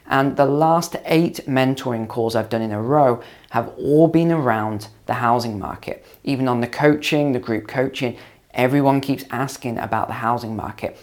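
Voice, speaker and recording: Slightly hoarse man explaining to camera. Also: mid-range voice, moderate pace. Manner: conversational, explanatory, with frequent ums and repeats. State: slightly hoarse after hours of calls. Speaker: finance video host and mentor.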